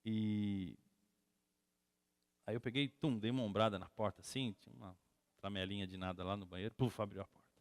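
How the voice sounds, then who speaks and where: Brazilian pastor preaching in an echoing hall. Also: male voice, on the low side, a little fast, pauses often. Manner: storytelling, acts out quotes, grows loud and emphatic. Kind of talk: sermon with personal story. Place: church hall. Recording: long church hall reverb.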